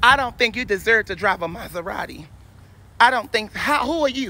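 A man speaks in a raised, projected voice at an extremely high pitch. His tone is bright and sharp. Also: dry sound with no echo. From US. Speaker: livestreamer giving a testimony. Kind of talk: testimony. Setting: outdoors. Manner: loud, animated. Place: street. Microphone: phone near.

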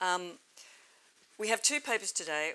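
Bright, sharp tone from a woman, with ordinary pitch variation. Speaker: session moderator, academic. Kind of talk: conference moderation. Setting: conference room with audience. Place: hall. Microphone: podium.

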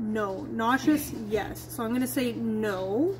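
A woman's voice against light background noise. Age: 30s. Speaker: YouTuber, mother. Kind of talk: casual vlog chat. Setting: at home with family. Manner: animated. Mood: playful, chatty. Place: home room. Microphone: webcam.

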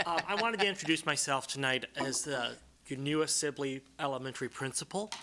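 A man speaks fairly quickly in a fairly high voice with ordinary pitch variation. Noticeable noise runs in the background. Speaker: elementary school principal. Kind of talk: public comment at board meeting. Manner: fast.

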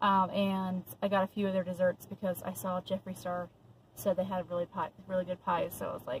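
A woman's somewhat breathy voice stays monotone and flat, with a dry sound with no echo and light background noise. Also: fairly quick pace. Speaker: food vlogger. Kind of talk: casual vlog chat. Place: car. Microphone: phone near.

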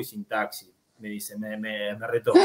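A man with lively intonation. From Argentina. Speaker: livestream host interviewing emigrants. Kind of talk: live-streamed interview. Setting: online live stream with chat. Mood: friendly, upbeat. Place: home room. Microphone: webcam.

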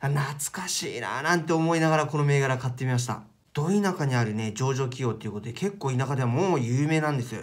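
A man at a very fast pace with ordinary pitch variation, over a quiet background. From Saga Prefecture, Japan. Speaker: individual investor and YouTuber. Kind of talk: casual solo video narration, unboxing shareholder mail. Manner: casual, conversational. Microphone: phone near.

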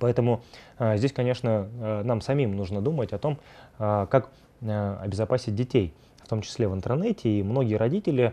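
A man's dark, mellow voice at a fairly slow pace, with long, frequent pauses and ordinary pitch variation. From Russia. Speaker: internet safety expert; interview guest. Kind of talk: interview monologue. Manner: hesitant with filler sounds. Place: studio. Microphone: lapel.

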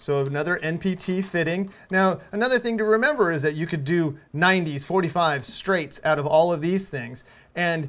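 Using a high voice with ordinary pitch variation, a man speaks at a moderate pace with hardly any pauses. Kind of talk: tutorial. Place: garage.

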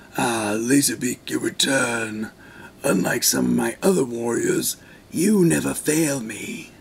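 A man speaks in a cartoonish character voice at a medium pitch. His pace is fairly slow. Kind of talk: cartoon voice impression. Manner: menacing, contemptuous.

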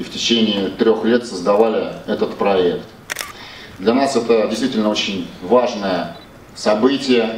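A man talks at a very slow pace with fairly even intonation, amid audible room echo and light background noise. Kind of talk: premiere welcome speech. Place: hall.

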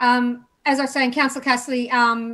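Fairly quick, monotone delivery with flat intonation in an Australian accent, against a quiet background. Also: woman. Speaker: deputy mayor, former teacher; city councillor. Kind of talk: council debate speech. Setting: council chamber. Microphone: video call.

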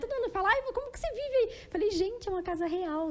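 A woman speaking at a fairly quick pace. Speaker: interviewee. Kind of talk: interview answer. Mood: cheerful, playful. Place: kitchen. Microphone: handheld.

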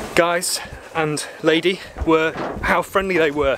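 The sound is dry with no echo, and noticeable background noise is present. A man speaks with fairly even intonation. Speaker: sailing vlogger. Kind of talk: casual vlog chat. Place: waterside. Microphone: phone near.

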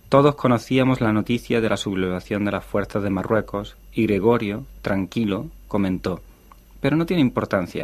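This man speaks at a moderate pace in a solemn tone, with ordinary pitch variation. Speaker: poet and editor of the diary. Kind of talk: reading aloud a literary diary excerpt. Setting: radio studio. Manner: measured, solemn, expressive reading pace. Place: studio. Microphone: studio mic.

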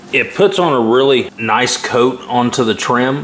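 There is music in the background as a man speaks. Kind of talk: casual tutorial vlog. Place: garage. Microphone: phone near.

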